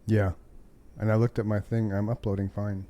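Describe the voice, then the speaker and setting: A man co-hosting a casual podcast over a video call, chatty and quick with short affirmations. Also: lowish voice, little pitch movement, warm tone, muffled recording. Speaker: co-host.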